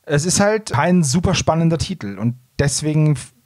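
A man's voice: fairly high pitch, lively intonation, moderate pace, a little mellow, no echo, clean studio sound. A man hosting a podcast, chatting casually about audio dramas. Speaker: podcast host.

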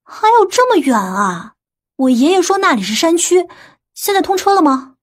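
A woman's voice: very high voice, big pitch swings, moderate pace. A woman voicing a spoiled, complaining city woman of about thirty in an audiobook, petulant and questioning. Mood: surprised.

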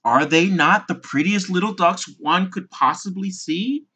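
Narrator voicing a high-pitched fretful mother duck. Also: unhurried, bright, forceful tone. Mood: weary, fretful. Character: tired, fussy, proud mother duck.

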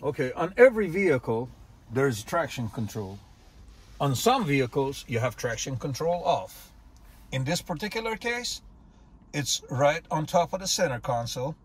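Outdoors in a dealership lot and later inside a car, an older mechanic, a master diagnostic technician, plainly and methodically explains car features step by step, with small slips. His voice is on the high side and sing-song, at normal speed and slightly rough.

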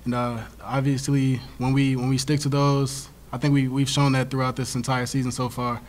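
A young man in his twenties, a college basketball player answering questions at a post-game press conference, halting and repeating words as he talks. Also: medium pitch, flat delivery. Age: 20s. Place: press room before a sponsor backdrop. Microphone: table mic in front of him.

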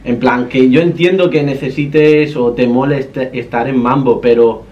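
A man in his twenties with an accent from Spain, talking casually in a halting, explanatory, businesslike way. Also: medium pitch, fairly even intonation. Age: 20s. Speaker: YouTuber making a prank call. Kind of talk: casual, hesitant conversation. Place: indoor gaming room at a desk. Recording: dull, distant room sound with noise.

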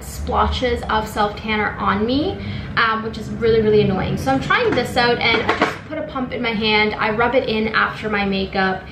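Young woman, lifestyle vlogger, casual chat to camera, filler-heavy, echoey room, faint hiss. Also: on the high side. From Venezuela. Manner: chatty, lots of ums and likes, upbeat. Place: bright apartment room, indoors. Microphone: camera in front at desk.

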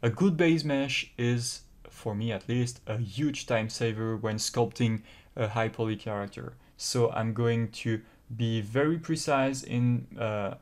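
A man with a French accent talking through a step-by-step software tutorial, explaining carefully with frequent pauses. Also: medium pitch. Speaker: tutorial host.

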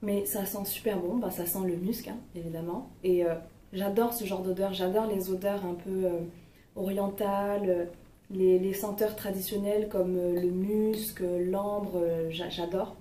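A woman's voice: medium pitch, steady tone, a little slow, warm tone. A young woman chatting casually about her favorite products, hesitant with lots of fillers, recorded at home. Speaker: beauty vlogger. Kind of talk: casual product review chat. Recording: roomy, distant mic, faint noise.

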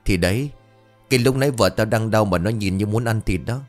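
A man's voice: fairly low pitch, fairly quick, faint music behind, lightly acted. A man voicing a panicky, bumbling young husband who blusters when he is flustered, lifting his voice a little above his own in a told ghost story. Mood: sheepish.

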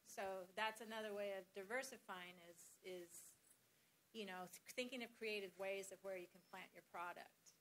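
A woman's voice: medium pitch, fairly even intonation, moderate pace, a bit bright, a little hiss or hum, low-quality recording. A woman presenting slides at a farm workshop, talking conversationally with many fillers and restarts.

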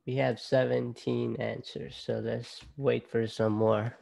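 Slow gravelly young man with a Nepali accent. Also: medium pitch, level tone, mellow. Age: young adult. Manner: halting, with frequent fillers and restarts. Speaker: student ambassador presenter. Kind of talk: casual online presentation. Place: indoor room at home. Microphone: laptop webcam on a video call.

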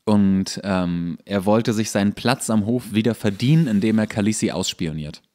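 A man co-hosting a podcast, explaining a TV series in casual chat with halting, searching delivery. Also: on the low side, darkish tone. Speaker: podcast co-host.

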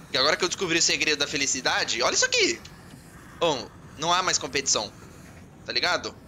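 A man with a Brazilian Portuguese accent giving casual let's-play commentary, excitable and joking, swearing and talking to himself as he plays. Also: fairly high pitch, quick pace, slight background noise. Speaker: gaming channel host.

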